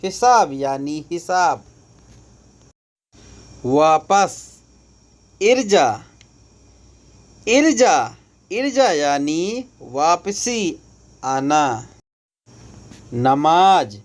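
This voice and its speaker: Very slow-speaking male language teacher. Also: a little high, expressive. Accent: Indian. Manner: repeats each phrase slowly, stressing words. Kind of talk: slow phrase-by-phrase lesson.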